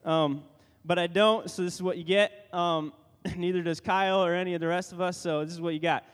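A man's voice: sits high, fairly even intonation, brisk, clear, resonant tone. A man making casual church announcements, joking and rambling with many restarts. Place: church sanctuary. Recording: long reverb from a large church hall.

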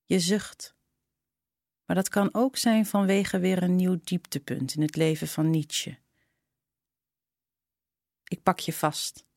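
Slow, low-voiced woman reading intimately. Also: steady tone, gravelly, darkish tone, no echo, studio quality. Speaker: narrator reading a short story. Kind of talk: scripted storytelling.

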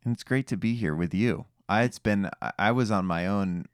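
A man's voice: on the low side, moderate pace, clear, resonant tone, no room sound. A man co-hosting a podcast in casual chat, with a playful, dry joking manner. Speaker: podcast co-host.

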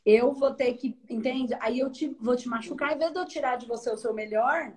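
A woman with a Brazilian accent, an energy therapist mentoring a student in casual conversation, explaining in an animated way and often checking that she is understood. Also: fairly high pitch, brisk.

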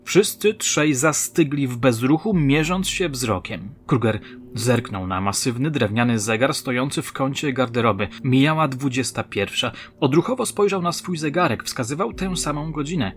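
A man with a mid-pitched voice reads his crime story as scripted narration, measured and dramatic in its pacing. There is a faint hiss under the voice. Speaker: author and narrator.

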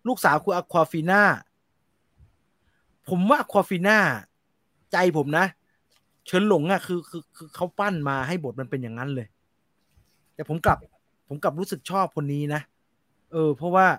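Male film-show host, high voice, animated and blunt, dry sound. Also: moderate pace, pauses often, no echo. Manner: animated, slangy and blunt, reads viewer comments. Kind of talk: casual film review chat.

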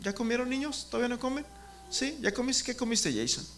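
A man preaches to a group of children, pitching his voice high. His tone is bright and lively, and he keeps turning to the kids with questions, calling on them by name. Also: fairly quick. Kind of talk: children's sermon.

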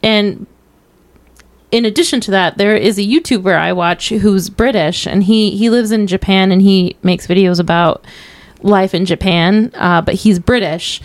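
A woman co-hosts a casual podcast conversation at an ordinary mid pitch. She talks in an opinionated, rambling way, full of fillers and restarts. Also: a little slow. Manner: chatty, opinionated, many fillers. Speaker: podcast co-host. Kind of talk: casual film review chat.

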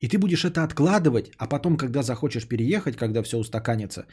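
Man, young adult, podcast host, casual chat, sarcastic, rambling, husky, mellow. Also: mid-range voice, expressive, fast talker. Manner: sarcastic, rambling, trails off into mutters. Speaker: podcast host reading donations.

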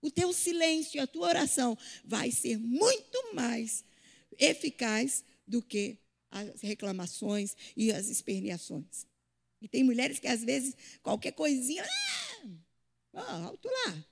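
A woman preaching a sermon to a church, lively and full of swings between loud and soft, acting out the voices she quotes. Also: fairly high pitch, a little slow, gravelly. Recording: long hall reverb.

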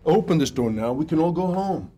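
A man's voice: on the high side, animated, brisk, over loud music, close to an everyday voice. An actor playing a menacing male henchman in a thriller, issuing cold commands in a film clip. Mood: threatening. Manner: commanding, threatening. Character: menacing male gang enforcer, cold and threatening. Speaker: film villain. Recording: trailer clip with loud score.

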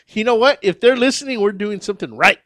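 An American man co-hosting talk radio, his fairly high voice bouncing up and down as he cracks sarcastic jokes. The studio sound is dry and close. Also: fast talker, dry recording. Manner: joking, sarcastic, animated. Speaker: co-host. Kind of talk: casual radio banter.

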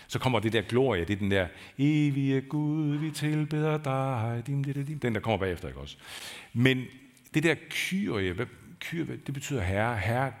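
A man preaching a sermon in a church, talking in a conversational, searching way that builds to emphatic peaks. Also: medium pitch. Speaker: pastor.

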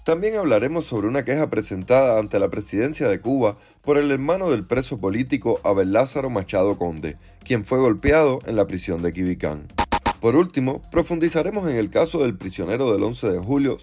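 A man's voice: medium pitch, animated, brisk, darkish tone, soft background music. Man reading news for a podcast. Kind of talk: scripted news narration.

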